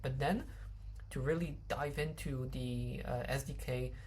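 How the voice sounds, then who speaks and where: A man's voice: mid-range voice, fairly even intonation, measured pace, a little mellow, slight background noise. Hesitant man. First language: Polish. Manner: hesitant, many fillers and restarts. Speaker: game developer. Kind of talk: explaining his game code.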